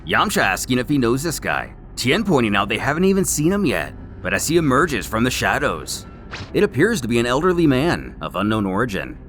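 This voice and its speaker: A man's voice: mid-range voice, sing-song, a little fast, fairly bright tone, soft background music. A man narrating a scripted story recap as the storyteller. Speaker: narrator recapping a comic series.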